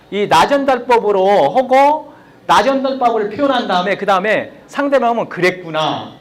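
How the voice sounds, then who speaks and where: A man giving a live lecture on communication, asking the audience questions and acting out example sentences. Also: sits high. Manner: lively, questions the audience, acts out example lines.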